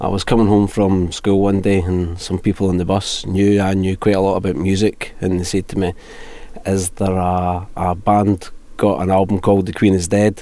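With a Scottish central belt accent, a man with a very deep, low pitch and a dark, mellow tone speaks in a flat monotone at a moderate pace. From Scotland, West Lothian. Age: 40s. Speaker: football fan and social media activist. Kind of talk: interview.

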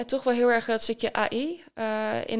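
A woman speaks in a flat monotone at a fairly high pitch against a quiet background. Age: 20s. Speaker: freelance SEO specialist; interview guest. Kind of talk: interview. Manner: halting. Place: studio. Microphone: studio mic.

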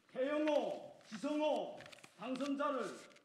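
Room echo can be heard in this clip. A man talks very slowly. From North Korea. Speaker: activist. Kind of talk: press conference. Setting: press conference room. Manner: animated. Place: hall. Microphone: podium.

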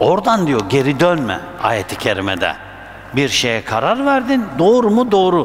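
Over light background noise, a man speaks at a moderate pace with very wide pitch swings. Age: 50s. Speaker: Sufi sheikh and religious teacher; religious teacher answering questions. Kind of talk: Q&A talk on religion. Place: hall. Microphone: handheld.

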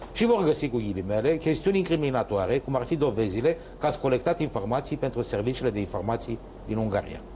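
Over light background noise, a man talks at a fairly quick pace in a dark, mellow, somewhat breathy voice with lively intonation. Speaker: TV talk show host. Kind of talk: TV talk show. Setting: studio. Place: studio.

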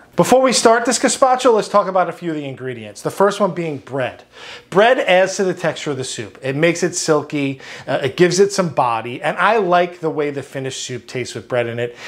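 The background is quiet. The pace is fairly quick. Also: man, high pitch for a man. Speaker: home cook host. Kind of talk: cooking tutorial. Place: kitchen.

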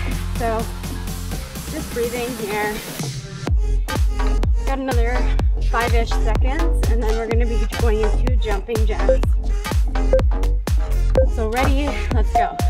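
Fairly slow speech with long, frequent pauses over loud background music. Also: woman. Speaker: fitness instructor. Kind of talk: workout instruction. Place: waterside.

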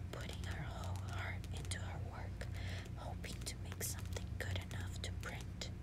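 Over loud background noise, a soft-spoken whisper unfolds at a fairly slow pace with a calm tone. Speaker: reader. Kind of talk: soft read-aloud of a novel. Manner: soft ASMR whisper, calm reading.

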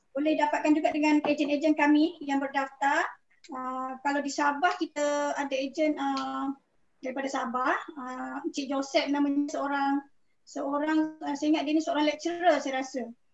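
A woman speaks at a high pitch and a moderate pace. Her intonation is monotone and flat. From Malaysia. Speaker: food business owner. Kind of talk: panel discussion. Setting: video call. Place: office. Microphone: video call.

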